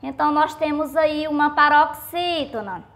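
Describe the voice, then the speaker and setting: Brazilian teacher lady, high bright voice, slow patient explaining, stretches out syllables. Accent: Brazilian Portuguese. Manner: slow, stressed syllable-by-syllable pronunciation of example words; patient, repetitive explaining to students. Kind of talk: recorded video lesson.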